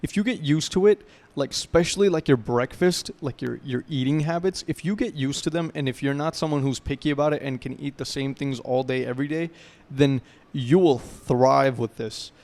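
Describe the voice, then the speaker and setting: A man's voice: mid-range voice, moderate pace, a little mellow. A young man giving a casual self-improvement talk to camera, loose and rambling, often checking in with "right?" and explaining through gaming comparisons.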